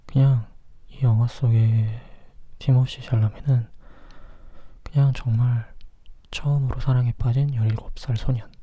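ASMR reviewer: close, hushed whisper, husky and very dark in tone, conversational delivery. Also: medium pitch. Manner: whispering softly, as if leaning in close. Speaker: film review vlogger.

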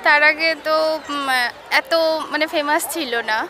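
A young woman with a Bengali accent, a mother answering a street interviewer haltingly with many fillers. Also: high voice, fairly even intonation. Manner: halting, fills with "mane". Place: crowded churchyard outdoors. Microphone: reporter's handheld mic. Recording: clear crowd noise outdoors.

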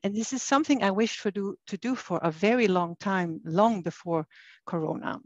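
A woman's voice: mid-range voice, normal speed, no room sound. A woman with a Swiss accent, a university lecturer speaking earnestly on an online panel and often restarting her phrases. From Switzerland. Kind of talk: panel presentation. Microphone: laptop webcam on a video call. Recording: dull lo-fi video call audio.

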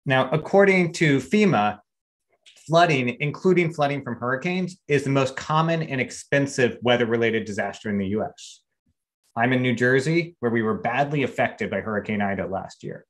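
A man in his forties with an American accent, moderating a panel in a measured, prepared manner over a video call. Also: medium pitch, lively intonation. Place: small room at home or office, indoors. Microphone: video call microphone.

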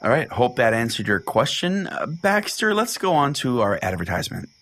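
A man's voice: mid-range voice, sing-song, moderate pace, fairly bright tone. A man playing an earnest, easily exasperated pastor who hosts a parody Christian call-in radio show.

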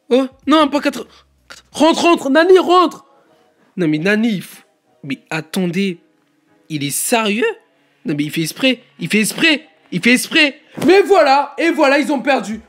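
A young man giving excitable gameplay commentary, muttering one moment and yelling in frustration the next. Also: a little high. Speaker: gaming YouTuber.

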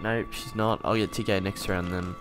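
A man's voice: low-pitched, steady tone, moderate pace, over music. A young man giving casual gameplay commentary as a video creator, laid-back, thinking aloud and swearing now and then. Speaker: gaming YouTuber.

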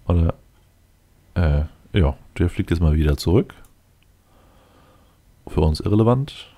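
A man with a very low, dark and relaxed voice hosts a let's play. He talks through the game off the cuff, matter-of-fact, as if mostly speaking to himself. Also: measured pace. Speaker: let's play video host. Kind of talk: casual improvised game commentary, thinking aloud.

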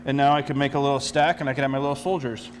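A man's voice: medium pitch, rapid-fire, long reverb tail, slight background noise. A man in his forties, a chef walking through a cooking demonstration step by step in a studio kitchen. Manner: explanatory, steady step-by-step instructions.

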